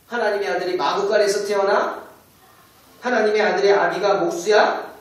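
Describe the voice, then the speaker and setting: A pastor voicing a sneering devil. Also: male voice, high voice, fairly even intonation, moderate pace, natural voice. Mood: mocking. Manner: sneering, taunting questions. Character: mocking devil taunting Jesus, male, scornful. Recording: echoey church hall, mic far off.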